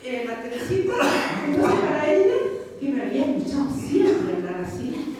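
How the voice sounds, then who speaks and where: A woman telling a personal religious testimony in a lively storytelling manner, often checking in with her listeners. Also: sits high, moderate pace, over a noisy crowd. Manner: animated storytelling, often asking "¿ya?". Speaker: lay speaker giving a testimony. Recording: echoey hall, voice from far off, faint background noise.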